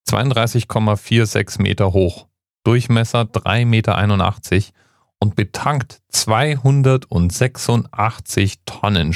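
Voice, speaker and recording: A man's voice: deep voice, no room sound, studio quality. A man hosting a podcast, explaining things in a conversational narrating style. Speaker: podcast host.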